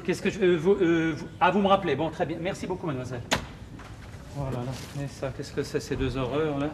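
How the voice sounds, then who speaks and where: An actor playing a flustered, excitable man fussing over a date, stammering and muttering to himself on a theatre stage in a televised boulevard comedy. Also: fairly high pitch, a little fast, close to an everyday voice. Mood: fretful. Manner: stammering, fussy, talks to himself. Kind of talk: 1980s French boulevard stage comedy acting. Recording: hissy old television broadcast recording.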